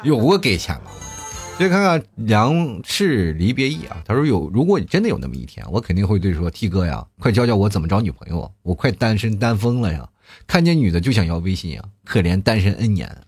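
A man's voice: fairly low pitch, sing-song, fairly quick, darkish tone, breathy edge, soft background music. A middle-aged man hosting a casual chat show, reading listener messages aloud and teasing them with jokes and laughter. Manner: joking, teasing, often laughing.

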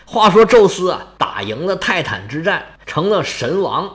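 Male storyteller, lively and colloquial, humorous myth-telling, expressive swings. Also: high voice, normal speed. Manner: colloquial, lively, jokey asides.

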